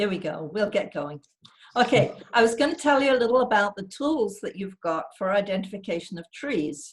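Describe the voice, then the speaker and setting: Somewhat breathy and lively in intonation, a woman with an English accent talks at a moderate pace and medium pitch. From England. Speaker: naturalist. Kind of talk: online presentation.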